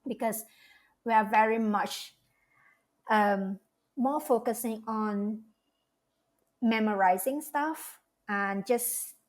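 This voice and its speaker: A woman's voice: fairly high pitch, takes it slowly, pauses often. A woman, talking as an interview guest in a reflective way, often restarting her phrases as she thinks aloud. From Malaysia. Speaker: guest, cultural strategist. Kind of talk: casual interview talk.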